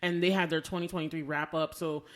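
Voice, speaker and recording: A woman's voice: sits low, steady tone, fast talker. An American woman co-hosting a podcast in casual banter, playful and giggly, often slipping into bits of song. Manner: playful, giggly, often breaks into sung snippets. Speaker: podcast co-host. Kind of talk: casual banter between co-hosts.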